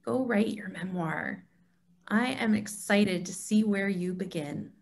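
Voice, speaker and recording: A woman playing a wise, assured Jewish mentor in an amateur reader's theatre, speaking in a deliberate, emphatic, teacherly way. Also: medium pitch, vocal fry. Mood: encouraging. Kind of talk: amateur reader's theatre dialogue over video call. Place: remote video call.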